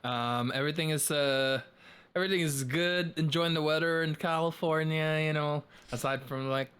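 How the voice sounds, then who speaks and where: A man's voice: fairly high pitch, steady tone, fairly bright tone, smooth. A man co-hosting a casual podcast in an easygoing, jokey way. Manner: easygoing, jokey, quick to laugh. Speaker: podcast co-host. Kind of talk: casual chat.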